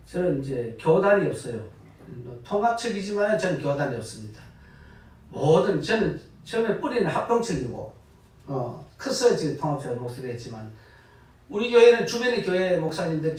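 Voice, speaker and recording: A retired pastor, preaching a lively sermon full of laughing asides and sudden loud bursts. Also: male voice, medium pitch. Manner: animated, laughing storytelling with sudden loud rises. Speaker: guest pastor. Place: church sanctuary. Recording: echoey church from far off.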